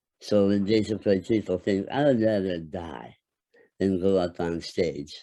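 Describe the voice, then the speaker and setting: A man speaks with a very deep, low pitch and a dark, mellow tone. His pitch varies in an ordinary way, over a quiet background. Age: 70s. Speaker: author and performer. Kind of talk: interview. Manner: halting.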